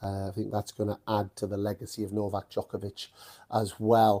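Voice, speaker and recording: Monotone, flat intonation and a dark, mellow tone mark this voice, spoken with a slight Geordie accent. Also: man. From northeast England. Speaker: tennis coach and podcast host. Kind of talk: live stream commentary. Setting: live stream from tournament site. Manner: casual, hesitant with fillers.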